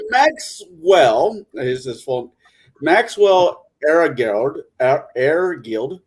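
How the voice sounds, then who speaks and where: A man's voice: on the high side, very animated, very slow, a little hiss or hum, rough recording. A man chatting casually as a game master on a gaming panel, rambling, stumbling and correcting himself. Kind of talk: casual chat.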